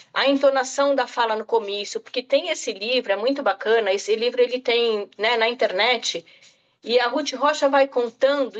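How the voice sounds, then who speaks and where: Speaking in a fairly high voice on a lo-fi recording, a woman presents an online lecture for educators as a literacy specialist. She talks right to her audience, checking in frequently with "tá?" and "né?".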